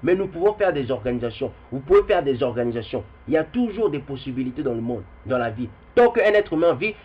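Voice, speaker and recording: Talking straight to his viewers, a young man with Kikongo as his heritage language gives a rambling video commentary that includes readings, repeating himself as he goes. His voice sits a little high with a breathy edge, and the recording sounds dull and lo-fi.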